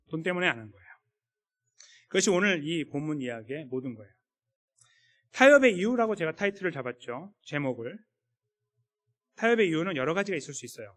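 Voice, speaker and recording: Brief: male pastor mid-sermon, chatty and animated, fairly high voice, long church reverb. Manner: conversational, acts out quoted voices. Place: church sanctuary. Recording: echoey church hall.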